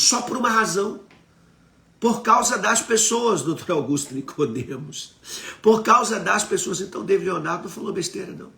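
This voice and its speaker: Emphatic Brazilian preacher in a roomy space. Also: male voice, high-pitched, gravelly, a bit bright. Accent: Brazilian Portuguese. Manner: emphatic, asks the audience questions, reads out viewer comments. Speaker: preacher on a live stream. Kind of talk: live-streamed Bible teaching.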